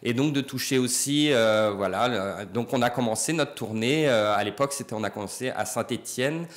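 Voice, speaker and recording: A man's voice: mid-range voice, a little fast. A man from Brittany with an accent mixing Breton and French Caribbean, a comedian and actor chatting casually in an interview, with many fillers and restarts. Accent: mix of Breton and French Caribbean. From Brittany, France.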